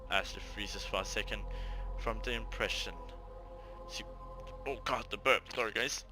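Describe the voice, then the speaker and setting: A man with a fairly low voice narrates a visual novel as a let's play host. He mixes story reading with offhand casual remarks, and music plays clearly behind him. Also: steady tone, normal speed.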